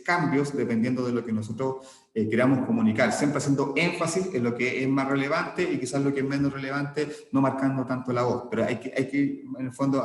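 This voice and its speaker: A man gives an online lecture, explaining patiently and checking in with the listeners. His mid-range voice rings in a bare, echoey room with a long reverb tail. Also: mid-range voice. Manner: explanatory, frequent "¿ya?" check-ins and restarts. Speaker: teacher.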